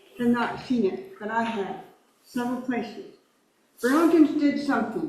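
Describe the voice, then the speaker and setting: At a moderate pace, a woman talks with ordinary pitch variation, and room echo is audible. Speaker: public commenter at council meeting. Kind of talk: public comment. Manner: halting. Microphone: too quiet.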